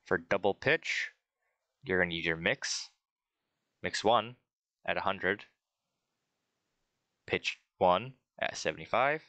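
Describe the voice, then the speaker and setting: Deep-voiced, bright-toned casual man. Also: no room sound. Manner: rambling, with restarts and fillers, reads out settings. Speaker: tutorial creator. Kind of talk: casual spoken tutorial.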